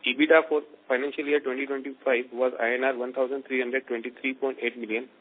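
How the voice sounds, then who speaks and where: A male finance executive with an Indian accent reads out prepared results in a formal corporate style. The pitch is average, and the sound is squeezed into a tinny conference phone line. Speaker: chief financial officer.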